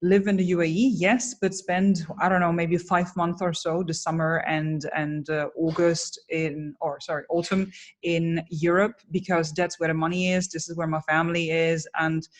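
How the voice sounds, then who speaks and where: Coach lady in her 30s, punchy candid answers, low-ish voice. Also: normal speed. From Germany. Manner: energetic, candid, emphatic storytelling. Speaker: guest, personal branding coach. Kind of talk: interview answers.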